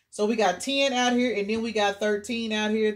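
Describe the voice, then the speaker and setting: Recorded very cleanly with a silent background, a woman with an unremarkable speaking voice talks at a medium pitch and a moderate pace. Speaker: tarot reader. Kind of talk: tarot reading. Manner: casual.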